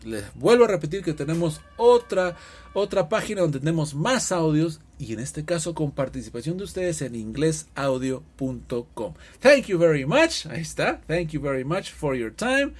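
Husky guy teaching a language class, voice jumps all over, says the phrases slow and clear then acts them out. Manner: models English phrases slowly and clearly, then explains in lively Spanish; acts out short dialogues, often in a raised, high voice. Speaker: English teacher. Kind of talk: bilingual language lesson.

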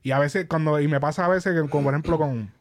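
A man's voice: fairly high pitch, fast. A man born in the Dominican Republic and raised in Rico, talking casually and animatedly, swearing constantly. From Dominican Republic, raised in Puerto Rico. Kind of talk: casual chat.

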